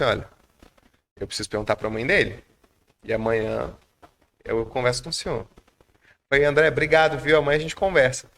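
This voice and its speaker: Gravelly Brazilian man telling a story. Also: medium pitch. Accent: Brazilian Portuguese. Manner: animated storyteller, acts out quoted dialogue. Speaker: podcast guest. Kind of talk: storytelling in a podcast interview.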